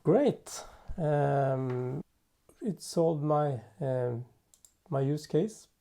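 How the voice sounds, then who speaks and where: A man presenting an unscripted software tutorial in a halting way, thinking aloud as he works. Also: on the high side, expressive, creaky. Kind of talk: unscripted software demo narration.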